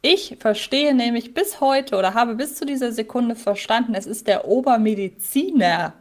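A woman's voice: fairly high pitch, moderate pace. A woman co-hosting a podcast, chatting in a reflective way about an old audio drama episode she heard as a child. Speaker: podcast co-host.

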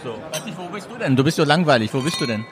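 A man speaking as a hotelier guest at a trade fair lounge, relaxed and laid-back. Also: fairly high pitch, racing, crowd noise.

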